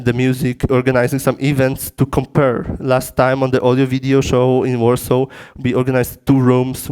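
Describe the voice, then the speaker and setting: A man with a Polish accent giving a technical lecture in a conference room through a PA system, in halting English with frequent restarts. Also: medium pitch, a little mellow, smooth. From Poland. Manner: halting non-native phrasing with frequent restarts.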